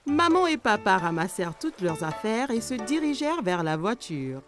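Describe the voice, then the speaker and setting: A woman narrating a children's story in an expressive, scripted storytelling style. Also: mid-range voice, normal speed. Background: music.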